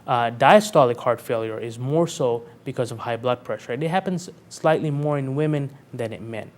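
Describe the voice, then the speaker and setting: Calm, measured male cardiologist. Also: mid-range voice. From Pakistan, raised in North Carolina. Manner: calm, measured, explains clearly with analogies. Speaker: cardiologist guest. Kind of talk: explanatory interview answers.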